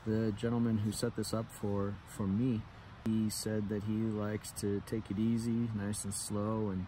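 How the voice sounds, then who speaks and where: A man's fairly low, dark and mellow voice in a flat monotone, with light background noise. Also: dry sound with no echo. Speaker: hiker vlogger. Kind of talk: casual vlog chat. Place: tent. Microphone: phone near.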